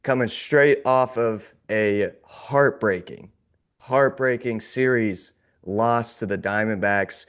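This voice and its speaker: Man, low voice, slightly rough from recovering from sickness, casual sports podcast host, glum and sarcastic. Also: takes it slowly, fairly bright tone. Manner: glum, sarcastic, laughing off the gloom. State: recovering from illness, voice a little off.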